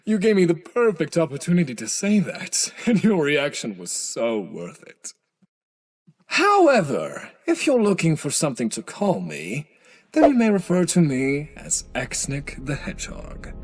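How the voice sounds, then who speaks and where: Theatrical, wildly swooping trickster demon. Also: male voice, a little high, wildly swooping pitch, full character voice. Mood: smugly polite. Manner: theatrical, mock-polite, teasing, drawn-out words. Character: otherworldly trickster demon hedgehog, male, smugly playful, menacing. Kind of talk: comic dub voice acting. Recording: loud music under the voice. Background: music.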